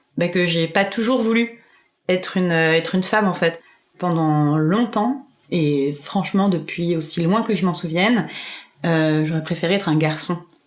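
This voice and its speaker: A woman's fairly low-pitched voice with ordinary pitch variation and very even loudness. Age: 20s. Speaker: podcast guest sharing personal story. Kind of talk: intimate interview. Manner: hesitant, many filler words.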